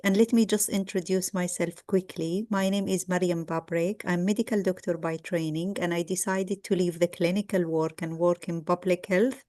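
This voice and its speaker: A woman's voice: on the low side, darkish tone. Middle-aged woman lecturing over a video call. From Egypt. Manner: measured, with frequent ums and restarts. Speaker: guest lecturer. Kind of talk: online lecture.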